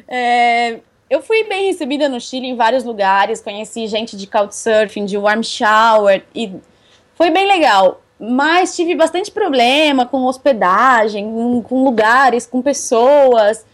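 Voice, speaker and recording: A woman's voice: fairly high pitch, slow. A young Brazilian woman telling about her bicycle travels in a casual interview, chatty and laughing often. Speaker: cycle traveler guest.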